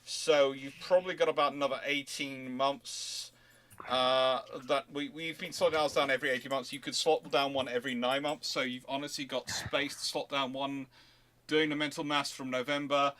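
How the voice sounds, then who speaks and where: A man hosting an unscripted livestream question-and-answer talk, thinking aloud haltingly and correcting himself as he goes. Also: medium pitch, flat delivery, fairly bright tone, a little hiss or hum. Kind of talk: unscripted naval history Q&A talk.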